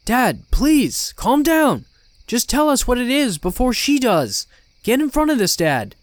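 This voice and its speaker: An anxious teenage son voiced by a male narrator, urgent and pleading, with the pitch pushed up. It sounds like a dramatic horror audiobook, recorded very dry. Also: sing-song, moderate pace, dry recording. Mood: frantic pleading. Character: anxious seventeen-year-old son pleading with his father.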